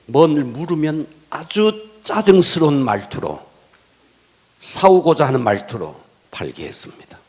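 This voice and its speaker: A male pastor preaching a sermon, telling illustrative stories and letting his sentence ends fall to a whisper. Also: medium pitch. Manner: animated delivery, drops to a whisper at sentence ends; tells illustrative stories to the congregation.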